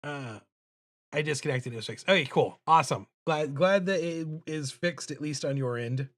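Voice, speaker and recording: Speaking at a moderate pace, this deep-voiced man has a fairly bright tone. He hosts a livestream as an illustrator, chatting casually into a streaming microphone while he draws, mumbling his thoughts and poking fun at himself.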